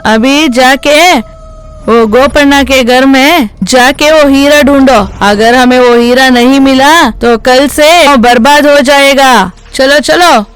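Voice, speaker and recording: A woman voicing a gruff middle-aged village landlord who orders people about, in an animated storybook. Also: high voice, takes it slowly. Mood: commanding.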